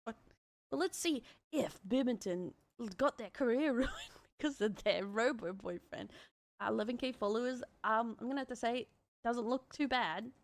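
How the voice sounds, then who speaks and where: A woman's voice: on the high side, moderate pace, no echo. A woman with an Australian accent giving casual, rambling streaming commentary.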